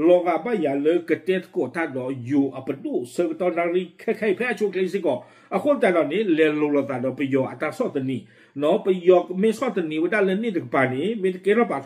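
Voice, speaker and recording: Fast-talking man presenting news. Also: fairly high pitch, darkish tone. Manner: quick, running commentary with frequent fillers. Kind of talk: news commentary.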